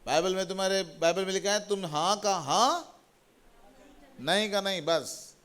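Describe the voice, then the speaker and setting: A middle-aged pastor preaches a sermon, repeating phrases, exhorting the congregation and calling out hallelujah. His voice is high-pitched and fairly bright, and he takes an unhurried pace.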